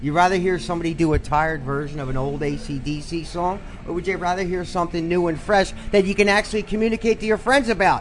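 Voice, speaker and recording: A man speaks very fast in a high pitch with lively intonation. Noticeable background noise is present. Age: 20s. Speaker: band member. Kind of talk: casual chat.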